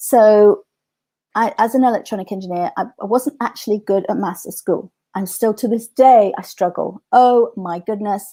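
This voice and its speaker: In a very clean recording with a silent background, a woman with an English accent speaks at a moderate pace, her fairly high voice dark and mellow in tone with ordinary pitch variation. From England, raised in Spain. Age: 50s. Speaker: maths educator. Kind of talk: solo talk show monologue. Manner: halting.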